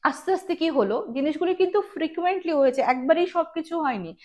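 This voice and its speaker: Female horror podcast storyteller: high voice, chatty, direct to the listener, sprinkles English words. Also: lively intonation, fast, darkish tone, highs cut off. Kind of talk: informal spoken ghost storytelling.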